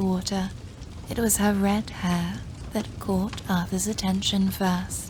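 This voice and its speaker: A woman talks very slowly, and noticeable background noise can be heard. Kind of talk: sleep story. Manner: soft-spoken, slow.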